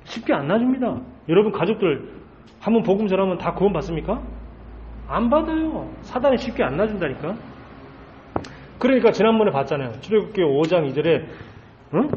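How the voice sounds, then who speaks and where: A male pastor preaching a Sunday sermon in a high voice that rises and falls with great energy. He talks emphatically and keeps putting questions to his listeners. The recording is slightly dull, with faint hiss underneath. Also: a little mellow. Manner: emphatic, many rhetorical questions.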